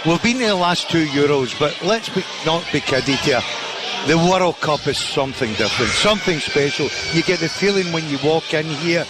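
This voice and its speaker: Scottish male football pundit, high-ish voice, excited, outdoors with street and traffic noise. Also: moderate pace. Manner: excited, enthusiastic. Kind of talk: casual pundit chat on live radio. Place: outdoor city venue.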